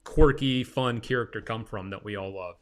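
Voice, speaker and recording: A man's voice: on the low side, moderate pace. Casual, effusive male interview host. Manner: informal, effusive, slangy.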